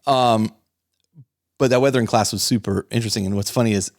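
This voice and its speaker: An enthusiastic man co-hosting a hobby podcast, his voice sitting a little low. He rambles, restarts, and laughs often. The sound is close and dry. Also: steady tone, fairly quick, dry recording. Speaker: podcast co-host. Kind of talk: casual hobby podcast chat.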